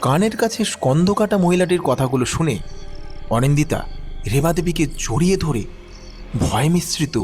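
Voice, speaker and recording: A man's voice: on the high side, animated, moderate pace, pauses often, darkish tone, soft background music. A man narrating a scripted horror story in a dramatic storytelling style.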